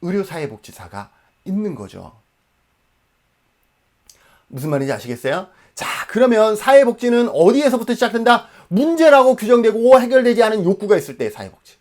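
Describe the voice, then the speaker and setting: A man's voice: high-pitched, sing-song, a little fast, a little mellow. A man in his forties from Jeju Island, South Korea, giving an exam-prep lecture emphatically, asking questions and answering them himself.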